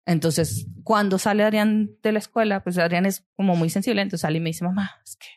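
A woman's voice: medium pitch, fairly even intonation, brisk, a little mellow. A woman, a mother recounting events in casual conversation, full of fillers. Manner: storytelling with many fillers.

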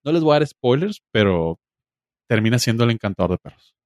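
A Mexican man hosting a podcast, talking in a colloquial, joking way. His voice sits at an average pitch and the sound is very dry, with hardly any room in it. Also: very animated, fairly quick, a little mellow, no echo. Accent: Mexican Spanish. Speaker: podcast host. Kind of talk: casual chat.

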